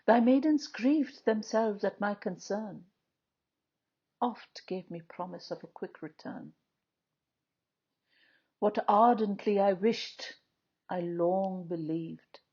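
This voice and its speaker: Slow, husky woman reciting poetry. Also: mid-range voice, dark tone, muffled recording. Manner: measured, declamatory, with frequent pauses between short phrases. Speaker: poetry reader. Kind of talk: solemn dramatic poetry recitation.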